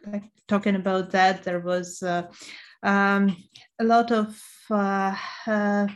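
A woman in her thirties from Ukraine with a Ukrainian accent, answering interview questions in a halting way, full of "uh" and "um" fillers. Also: mid-range voice, flat delivery. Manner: hesitant, many uh and um fillers. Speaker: interview guest.

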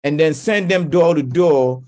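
Brief: male radio talk host, fired up, stumbles and restarts, voice a touch high, studio mic. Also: unhurried, a little mellow. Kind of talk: radio talk show commentary.

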